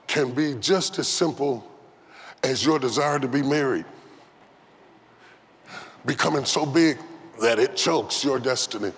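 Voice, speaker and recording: A man preaching an emphatic sermon to a live congregation, repeating phrases for effect and calling for a response. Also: mid-range voice. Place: large indoor church service. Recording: noisy live hall with loud crowd. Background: congregation crowd noise.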